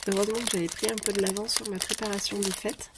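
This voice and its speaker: A woman with a cold chats through a home unboxing video, her voice stuffy and her speech hesitant and full of fillers. Clicks and crinkling wrapping paper are clearly audible on the recording. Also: mid-range voice, level tone, very noisy. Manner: hesitant, many pauses and "euh" fillers. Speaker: craft vlogger. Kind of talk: casual unboxing chat. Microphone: camera over a tabletop, speaker off-frame.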